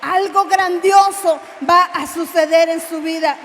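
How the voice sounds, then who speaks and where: A woman with a Mexican Spanish accent preaching a sermon, impassioned, moving from hushed to loud. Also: very high-pitched, steady tone, measured pace, big-room sound, some chatter behind, slight background noise.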